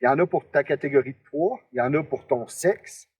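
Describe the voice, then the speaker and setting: A man's voice: mid-range voice, a little fast, darkish tone, breathy edge. A man in his twenties with a Québécois accent, an amateur strongman answering interview questions in a chatty, rambling way. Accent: Québécois French. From Quebec, Canada. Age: 20s. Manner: chatty, rambling, many "là" tags.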